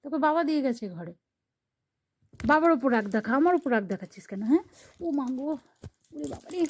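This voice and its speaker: A woman's voice: sits high, lively intonation, fast, a little hiss or hum. A woman vlogging at home, coaxing, scolding and fussing over her kitten. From Bengal. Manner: coaxing and scolding a pet, shifting between soft calls and louder reproach. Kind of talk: talking to her kitten while filming.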